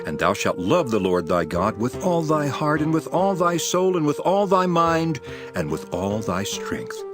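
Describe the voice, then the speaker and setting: A man playing Jesus as a solemn, authoritative teacher with measured delivery in a dramatized scripture reading. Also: fairly high pitch, sing-song. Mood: solemn, teaching. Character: Jesus, calm authoritative male teacher rebuking and instructing. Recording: voice over prominent background music.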